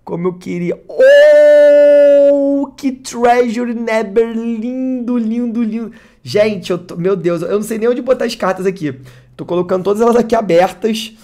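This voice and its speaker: A Brazilian man with a Brazilian Portuguese accent hosting a card unboxing, excitable and given to sudden gasps and shouts of delight. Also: extremely high pitch, unhurried. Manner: excitable, bursts into gasps and shouts over cards. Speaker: channel host.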